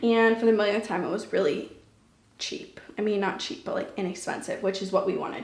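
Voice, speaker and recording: A woman with a Wisconsin accent speaks in an animated tone, with room echo clearly audible. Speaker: home decor vlogger. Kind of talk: home tour vlog.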